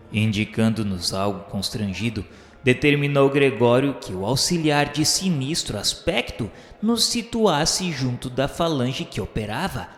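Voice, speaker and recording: Male narrator for a radio drama, mid-pitched, formal and literary, heavy reverb with music underneath.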